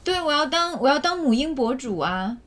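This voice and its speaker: High, playful woman co-host. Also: very animated, normal speed, a bit bright. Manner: playful, self-mocking. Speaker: podcast co-host. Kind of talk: casual chat.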